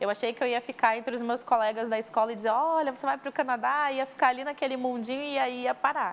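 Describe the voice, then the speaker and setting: Very fast and fairly even in intonation, a woman talks at a high pitch. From Manaus, Brazil. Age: 30s. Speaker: Spanish teacher. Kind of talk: interview. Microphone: lapel.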